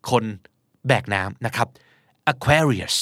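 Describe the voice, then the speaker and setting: Thai-accented male teacher, slow and careful, spells each word aloud, dry close recording. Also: medium pitch, expressive, fairly bright tone, slightly rough, no room sound. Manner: slow, spells words letter by letter. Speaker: English pronunciation teacher. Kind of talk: podcast pronunciation lesson.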